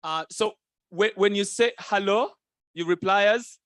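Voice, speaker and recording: A man's voice: high-pitched, unhurried, fairly bright tone, clean tone, no room sound, studio quality. A man hosting a live youth event, playfully teaching the crowd greetings and repeating phrases back to them. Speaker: event host. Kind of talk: lively crowd interaction. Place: conference hall stage.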